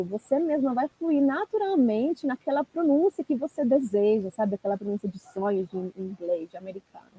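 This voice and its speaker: Encouraging woman teacher, husky. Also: on the high side, dark tone, rough recording. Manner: encouraging, direct and repetitive advice. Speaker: language teacher. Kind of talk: live-stream coaching talk.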